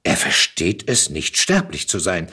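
A man's voice: low-pitched, huge pitch swings, unhurried, pushed and bright, slightly rough, full character voice. A man voicing a proud dead old poet in a literary reading, lecturing in an emphatic, declamatory way. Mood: lecturing, reflective. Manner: declamatory, insistent.

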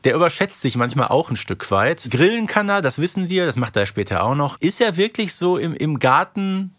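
A man's voice: a little high, big pitch swings, normal speed, fairly bright tone, no echo. A man co-hosting a podcast in casual, colloquial conversation, often checking for agreement with tag questions. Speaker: podcast co-host. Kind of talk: casual chat reviewing an audio drama.

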